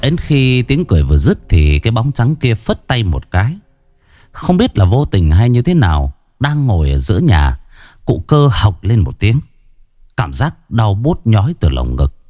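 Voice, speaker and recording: A man narrating a horror story in a dramatic, expressive storytelling style. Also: on the low side, normal speed, no room sound, clean studio sound.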